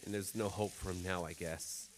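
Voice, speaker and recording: A man playing an earnest, protective gentleman hero in an old-time radio drama style. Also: low voice, fairly even intonation, moderate pace, heavy background noise, lightly acted. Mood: grave explaining.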